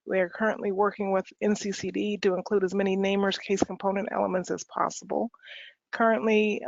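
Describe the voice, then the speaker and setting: A woman on a virtual meeting relaying a state's update from the chat in a brisk, informational way. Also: medium pitch, creaky, dry recording, dull audio. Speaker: meeting participant.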